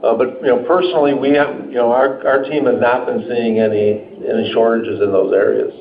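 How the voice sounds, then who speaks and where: A man's voice: mid-range voice, steady tone, fairly quick, vocal fry. A man speaking as a company executive, answering off the cuff on an earnings call in a conversational, stop-and-start way. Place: indoor room on a conference call. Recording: roomy muffled conference call, noisy.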